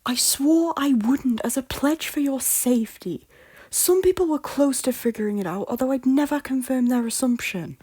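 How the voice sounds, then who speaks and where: A woman playing an anxious, loyal young prince in an audio drama, earnest and breathy, moving between hushed and urgent. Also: sits high, expressive, normal speed. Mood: protective, resolute. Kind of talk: intimate audio drama acting.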